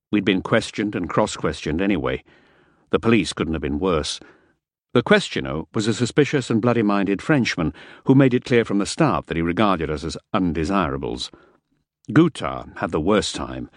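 A man reading a first-person novel aloud as an audiobook narrator, measured and wry. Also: low-pitched, no room sound, clean studio sound.

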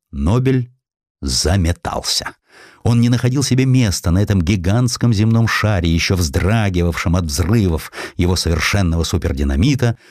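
A man reading a historical essay as a dramatic audiobook narrator, with expressive, theatrical emphasis. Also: deep voice, dry recording, studio quality.

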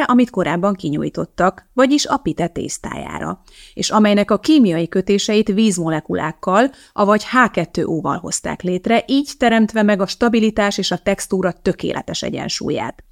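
A woman's voice: mid-range voice, expressive, vocal fry. A woman reading the part of a precise, blunt woman chemist, lecturing in a matter-of-fact way.

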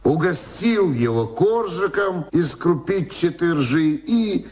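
A man's voice: a little high, lively intonation, slow. A man narrating a folk tale in theatrical, rhythmic verse as a radio play storyteller. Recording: roomy echo, loud music behind.

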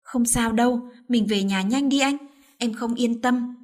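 A woman voicing a gentle young wife who speaks softly and soothingly. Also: fairly high pitch, unhurried, close to an everyday voice. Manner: soft, soothing. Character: kind young wife, anxious and comforting.

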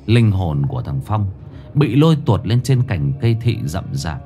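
Dude narrating a ghost story, low voice that swings around a lot, faint music behind. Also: male voice, very animated, dark tone. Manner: dramatic, slow for suspense.

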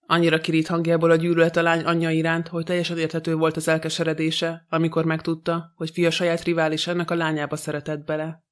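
Man reading in a flat monotone. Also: a little high, clear, resonant tone. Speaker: audiobook narrator. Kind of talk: scripted narration.

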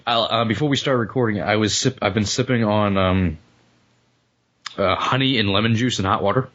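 A male podcast co-host, hoarse and losing his voice after the flu, chatting casually and joking with frequent laughs. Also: on the low side, fairly quick, fairly bright tone, lo-fi sound. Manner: joking, rambling, laughs often. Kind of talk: casual comedic chat.

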